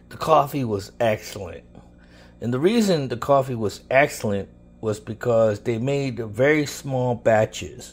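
A man's voice at a fairly slow pace with ordinary pitch variation. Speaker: home product reviewer. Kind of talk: casual review talk. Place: kitchen.

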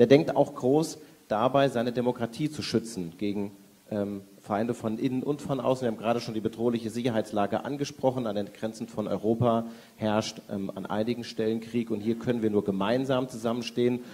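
A man speaks at a fairly quick pace. His tone is dark and mellow, with fairly even intonation. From Hesse, Kirchhain area. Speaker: state politician, former teacher. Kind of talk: panel debate. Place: hall.

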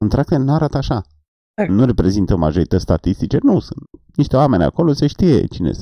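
A man speaks at a very fast pace with a dark, mellow tone and some vocal fry. His pitch swings very widely against a quiet background. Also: dry sound with no echo. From Romania. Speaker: podcast co-host. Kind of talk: casual discussion. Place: home room. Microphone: studio mic.

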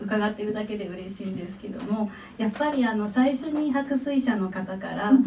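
A woman's fairly high-pitched voice at a moderate pace, with ordinary pitch variation, big swings in loudness and light background noise. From Tokyo, Japan (born Taipei, moved at 3); Tokyo. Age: 30s. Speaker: novelist. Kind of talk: book event talk. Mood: warm, cheerful. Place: hall.

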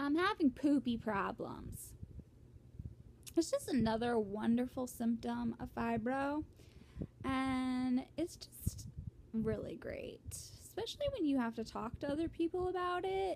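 At a fairly slow pace, a woman speaks with long, frequent pauses over noticeable background noise. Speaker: vlogger. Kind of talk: casual vlog chat. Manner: drowsy, low-energy voice from bed. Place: home room. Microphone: phone near.

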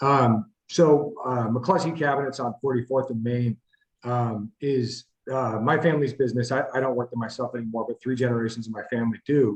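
In a normal speaking voice, a man with an American accent talks at a fairly quick pace and medium pitch with fairly even intonation, recorded dry and close with no echo. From Springfield, Oregon. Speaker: public commenter, family business member. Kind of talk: public comment at hearing.

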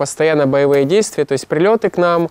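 The man's fairly high pitch shows ordinary variation, and the sound is dry and close with no echo. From eastern Ukraine, Donetsk region. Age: 20s. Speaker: psychologist. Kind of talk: interview testimony. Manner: halting.

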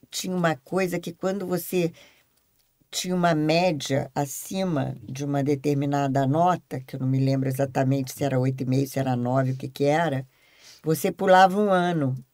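A woman's very deep, low voice with ordinary pitch variation, against a quiet background. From Rio de Janeiro. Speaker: ballet dancer and teacher; teacher. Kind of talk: talk show interview. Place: studio. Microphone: studio mic.

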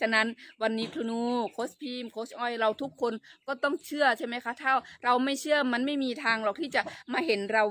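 With a bright, sharp tone and a dry sound with no echo, a woman speaks at a fairly high pitch. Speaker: online success coach; online business coach. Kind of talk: motivational talk. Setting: outdoors by rice fields. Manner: energetic. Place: open country. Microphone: phone near.

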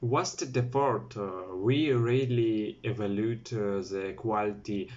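With a Russian accent, a man speaks very slowly at a medium pitch and with fairly even intonation. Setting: home video recording, brother in house. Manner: halting, hesitant, many fillers; laughs often, apologetic.

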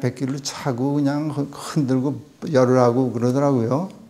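Fairly slow, fairly even speech from a man with a dark, mellow tone. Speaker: witness. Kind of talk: interview answer. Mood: earnest, recounting past trauma. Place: office.

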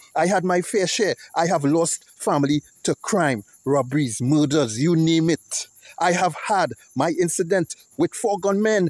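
With lively intonation and a high pitch, a man speaks at a moderate pace, the sound dry with no echo over a quiet background. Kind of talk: political address to viewers. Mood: angry, urgent appeal. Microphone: phone near.

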